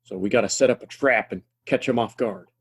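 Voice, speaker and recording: A man playing a gruff, plain-spoken frontier man in a western audio play, with steady, folksy phrasing. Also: on the low side, brisk, very noisy. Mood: urgent, scheming.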